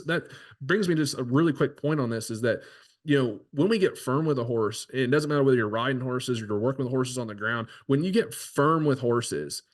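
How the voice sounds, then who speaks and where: Brief: man, horse trainer and show host, mid-range voice, loose teaching talk with frequent restarts. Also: medium pitch. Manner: conversational, keeps asking "right?". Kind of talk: casual instructional talk.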